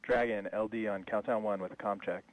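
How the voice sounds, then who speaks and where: A man's voice: on the low side, steady tone, fairly quick, poor audio. A man as launch director making procedural callouts over a headset radio loop. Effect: radio comm loop through headset. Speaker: launch director on comm check.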